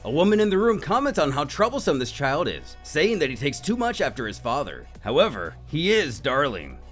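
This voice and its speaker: Guy narrating a fan story, really animated, a bit higher voice, scripted dramatic read. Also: brisk, soft background music. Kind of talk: dramatic fan-fiction narration, present tense.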